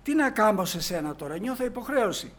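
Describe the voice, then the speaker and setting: A man preaching in a storytelling way, reading old scripture verses slowly and then explaining them in everyday speech, with many "he says" asides. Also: sits high, big pitch swings, a bit bright. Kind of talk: sermon retelling a Bible story.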